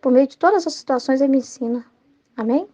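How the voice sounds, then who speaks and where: A woman's voice: high-pitched, fast, dark tone, lo-fi sound. A middle-aged woman with a Brazilian Portuguese accent, sharing an earnest, rambling devotional reflection as a Catholic lay study leader, often tagging questions onto her sentences.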